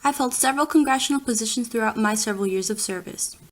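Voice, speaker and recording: Woman as a grandstanding, higher-voiced senator. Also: fast, natural voice. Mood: combative. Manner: emphatic, oratorical, slogan-like delivery. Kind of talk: staged reader's theater political satire.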